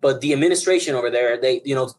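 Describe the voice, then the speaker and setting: A man's voice: medium pitch, fast talker, poor audio. A man from Puerto Rico in his thirties, a broadcast engineer talking as an interview guest, rambling with many fillers and restarts. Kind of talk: conversational interview.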